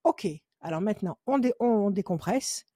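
A woman's voice: mid-range voice, animated, normal speed, mellow, no room sound. Insistent woman psychic, dry close voice. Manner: insistent, repetitive advice, counts cards under her breath. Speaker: psychic on a call-in show. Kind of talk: phone consultation with card reading.

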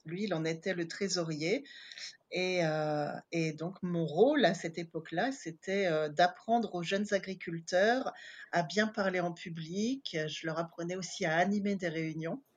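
A woman's voice: on the low side, normal speed, slightly rough. A woman in her fifties from Paris, chatting casually as an interview guest, with many hesitant fillers. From Paris, France. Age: 50s.

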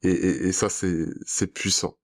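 This man's voice sits low and his pace is measured. As a relationship coach running his own podcast, he affirms and encourages his guest and audience throughout the interview and closing outro, humming along often in agreement.

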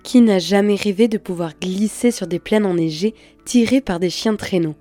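A woman hosting a podcast, reading a scripted introduction in an even, read-aloud delivery. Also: medium pitch, normal speed, no room sound. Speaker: podcast host. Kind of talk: scripted narration. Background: soft background music.

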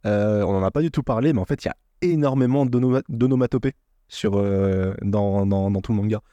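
A man's voice: lowish voice, brisk, mellow, dry recording, lo-fi sound. A man co-hosting a casual podcast, rambling with many restarts as he explains manga details. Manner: rambling, with frequent restarts and filler. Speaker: podcast co-host. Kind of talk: casual chat about a manga.

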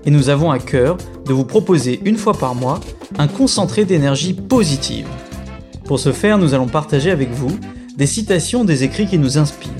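A man's voice: on the high side, animated, moderate pace. A man hosting a podcast, reading a scripted introduction in a friendly, upbeat way. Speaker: podcast host. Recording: clear music underneath.

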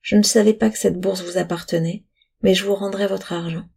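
A woman's voice: mid-range voice, steady tone, brisk, gravelly, a little mellow, husky. A woman voicing an earnest, stubborn poor boy who pleads and insists, in a storybook reading. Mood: pleading.

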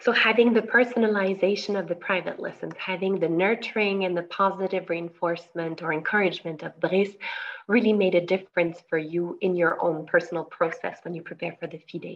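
A woman's voice: on the low side, steady tone, fairly quick. Woman interviewing, muffled sound. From Montreal, Canada. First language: French. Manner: warm, affirming questions. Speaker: language school founder and interviewer. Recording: muffled lo-fi audio.

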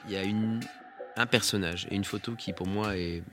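A man, a photographer, giving a reflective and halting spoken account of one of his photographs, restarting his sentences often. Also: on the low side, steady tone, over music. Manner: halting, with many restarts and pauses.

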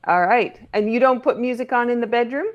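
A woman from Nova Scotia, chatting casually as an interview guest in an encouraging, gently teasing way. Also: fairly high pitch, brisk, muffled recording. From Cape Breton, Nova Scotia, Canada. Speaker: podcast guest. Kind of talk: casual, playful interview chat.

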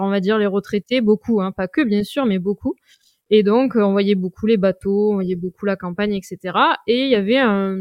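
A woman with a regional French accent answers as a podcast guest at a middle pitch. She talks hesitantly, often stopping on fillers, and the recording is dry, with no room echo. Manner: hesitant, many "euh" and "du coup" fillers. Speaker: guest, watercolor teacher. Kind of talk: podcast interview.

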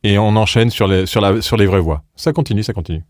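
A man co-hosting a podcast, talking in casual chat, measured and hesitant with many fillers. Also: fairly low pitch, no room sound, clean studio sound. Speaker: podcast co-host.

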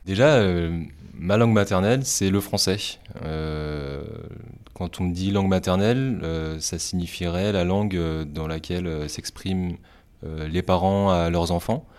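A man with a very deep voice weighs his words, pausing often to choose them. He speaks in a measured, deliberate way. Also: a little mellow, clean tone. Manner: measured, deliberate, many pauses. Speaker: interviewee. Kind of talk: reflective explanation.

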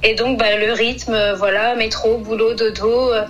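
A woman from France answering interview questions about her family, hesitant, with many fillers and pauses. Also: on the high side, little pitch movement, a bit bright, muffled recording, soft background music. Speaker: guest, expat mother.

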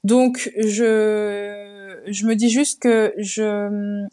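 A woman's voice: mid-range voice, little pitch movement, drawn-out words, warm tone. A young woman, a guest on a podcast, talking in a reflective way and searching for her words. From Belgium. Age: young adult. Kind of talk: casual podcast conversation.

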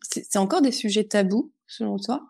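A woman with a very mellow, soft-edged voice of average pitch. She hosts a conversational podcast interview, feeling her way into each question. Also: a little fast, creaky, breathy edge. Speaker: podcast host.

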